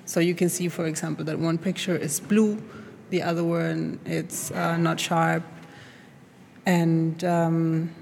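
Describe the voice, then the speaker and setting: An art student from Chile, a native Spanish speaker, answers interview questions in an art academy studio, and the recording is noisy. Her voice is low, gravelly, and darkish, with a level tone and slow pace. She sounds hesitant, searching for words and using many fillers.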